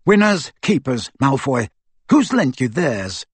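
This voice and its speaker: A man's voice: mid-range voice, sing-song, slow, husky, full character voice. A man performs a bold teenage boy hero in a fantasy storybook. He sounds defiant and drily mocking. The recording is close and free of echo. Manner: taunting, dry sarcasm.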